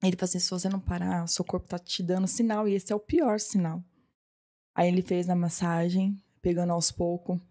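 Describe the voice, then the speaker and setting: Speaking a little fast in a fairly low, mellow voice with flat delivery, a Brazilian woman in her thirties, who works as a massage therapist, recounts her story in a relaxed interview and acts out what people said to her and what she said back.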